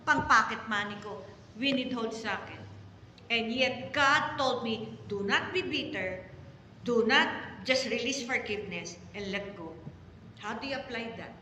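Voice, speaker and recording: Filipino woman pastor, middle-aged, fairly high voice, storytelling sermon, faint background hiss. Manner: storytelling with sudden loud exclamations and drawn-out emphasis. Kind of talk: Taglish preaching sermon. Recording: echoey hall reverb, faint background noise.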